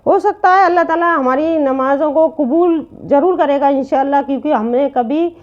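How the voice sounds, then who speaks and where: High-voiced woman giving earnest religious advice. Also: normal speed, dull audio. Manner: earnest, repetitive urging. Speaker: religious speaker. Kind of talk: informal religious talk to online viewers.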